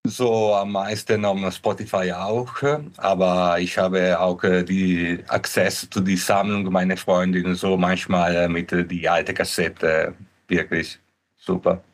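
A man's voice: low voice, little pitch movement, slow. A thirty-year-old man with a foreign accent, chatting casually as a podcast guest and searching for words in a language not native to him. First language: not German. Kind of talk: casual chat.

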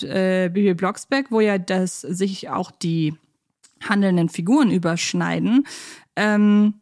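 A woman podcast co-host in casual fan discussion, chatty and rambling, correcting herself as she thinks aloud. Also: medium pitch. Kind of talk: casual fan discussion of audio drama series.

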